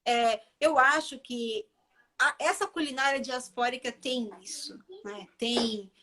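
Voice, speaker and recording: A woman's voice: fairly high pitch, fairly bright tone. A Brazilian woman with a Bahian accent, a chef chatting casually as a guest and repeating phrases for emphasis. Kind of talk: casual live conversation.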